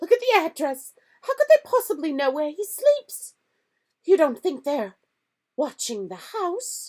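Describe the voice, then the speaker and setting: A woman's shaky, put-on character voice at an extremely high pitch, moderate in pace, with very wide pitch swings and long, frequent pauses. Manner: quivering, frightened.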